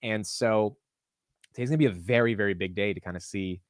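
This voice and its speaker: Fast-talking young man, dry close sound. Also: dry recording. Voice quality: deep voice. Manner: animated, says "dude" and "like" a lot. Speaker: host of a live market stream. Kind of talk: casual livestream chat.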